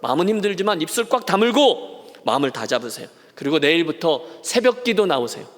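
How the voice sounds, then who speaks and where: A man preaching a Sunday sermon as a senior pastor, his voice pitched high for a man. He slips into short acted voices of the people in the story. The long reverb of a church sanctuary trails after each phrase. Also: brisk. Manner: animated, acts out voices of townspeople and Naomi.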